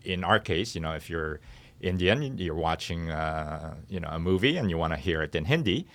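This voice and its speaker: A man's voice: low voice, animated, moderate pace, fairly bright tone. A man speaking as an interview guest, a startup founder explaining his business in conversation.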